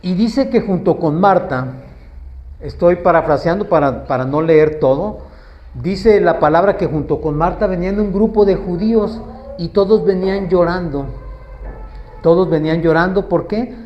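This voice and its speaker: A man's voice: high-pitched, lively intonation, moderate pace, lo-fi sound. A man preaching a sermon in a conversational way, asking the congregation questions and acting out quoted pleas.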